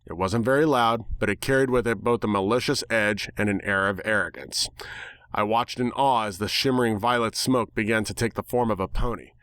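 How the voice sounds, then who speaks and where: A man reading a first-person story as narrator in a wry, deadpan manner. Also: fairly low pitch, fairly quick, clear, resonant tone, dry recording. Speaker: narrator, dramatic reader.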